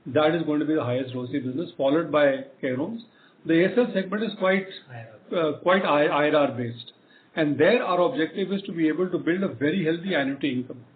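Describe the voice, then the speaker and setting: A man's voice: on the high side, a little fast. An Indian-accented man speaking as a company executive, explaining business off the cuff with frequent "right" and "you know" tags. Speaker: company executive answering investor questions. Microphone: phone conference line. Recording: narrow phone-line sound with faint noise.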